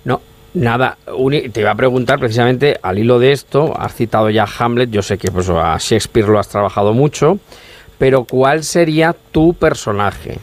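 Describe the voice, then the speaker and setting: A man's voice: mid-range voice, a little fast. A man interviewing a guest on the radio, asking long, admiring questions with plenty of restarts.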